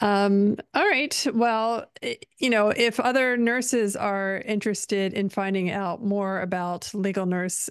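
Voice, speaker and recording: A woman talks at a medium pitch with fairly even intonation against a quiet background. Hers is an ordinary speaking voice. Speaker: podcast host. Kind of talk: interview with ad read.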